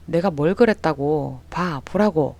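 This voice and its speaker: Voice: mid-range voice, unhurried, gravelly, a little mellow. A story reader voicing an old male flasher who shrugs off blame, read out in a plain storytelling voice. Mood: defiant.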